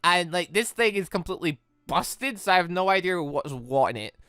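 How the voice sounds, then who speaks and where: A gaming YouTuber giving casual, rambling, expressive let's play commentary on a visual novel, speaking emphatically. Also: mid-range voice, normal speed, smooth, no echo. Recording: game music playing behind voice. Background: visual novel game music.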